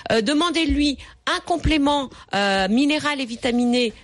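A woman's voice: high-pitched, animated, normal speed, no echo. Chatty radio vet woman, dry studio sound. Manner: chatty, explanatory, many fillers. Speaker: radio veterinarian. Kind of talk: call-in radio advice.

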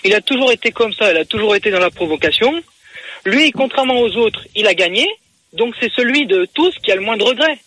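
A man's voice: high-pitched, expressive, a little fast, sharp tone. A man calling in to a sports radio show, with a Saint-Étienne accent, hesitant and repeating himself. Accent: Saint-Étienne area, France. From France. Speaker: radio caller.

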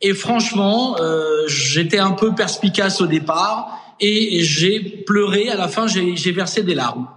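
Remote male guest, high and eager, stumbling over words, echoey room sound. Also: measured pace, fairly bright tone. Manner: enthusiastic, stumbling restarts. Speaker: guest on video link. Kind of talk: remote interview.

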